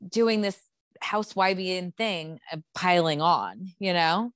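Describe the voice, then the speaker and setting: A woman's voice: lowish voice, slow pace, fairly bright tone, dry recording, clean studio sound. A young woman co-hosting a podcast, chatting casually and opinionated, with lots of "like". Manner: chatty, opinionated, heavy use of "like". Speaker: podcast co-host. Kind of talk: casual chat.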